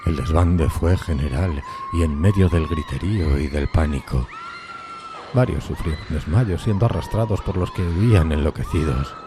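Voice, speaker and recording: A man playing a lonely, horrified undead outcast who tells his tale in a solemn, anguished, theatrical horror audiodrama style, drawing out emphatic words. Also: a bass voice. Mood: horrified, frantic. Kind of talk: dramatic gothic horror audiodrama narration.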